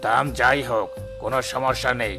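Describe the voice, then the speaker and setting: A man's voice: medium pitch, steady tone, fairly quick, music in the background, lightly acted. An actor playing a boastful, show-off wealthy village man in a cartoon, speaking in a brash, domineering way. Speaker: rich villager. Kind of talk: cartoon voice acting.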